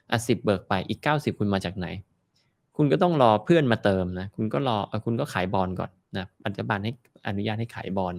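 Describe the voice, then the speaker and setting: A man's voice: fairly low pitch, no echo. A man giving casual market commentary, chatty and explaining with everyday comparisons. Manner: chatty, explains with homely comparisons, ends phrases with soft particles. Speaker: finance commentator.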